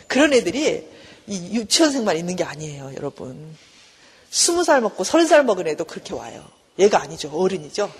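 A woman's voice: lowish voice, very animated, fairly quick. A middle-aged woman professor giving a counseling lecture, acting out mothers and children in quoted voices. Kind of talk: recorded lecture. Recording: long hall reverb.

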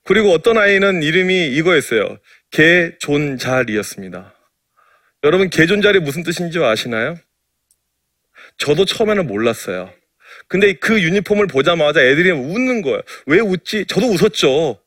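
A middle-aged man preaches as a pastor, winding humorous anecdotes through his sermon. His voice sits fairly high for a man, and his delivery is playful and self-mocking. The recording is dry and close, with no room echo. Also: sing-song, normal speed, a bit bright.

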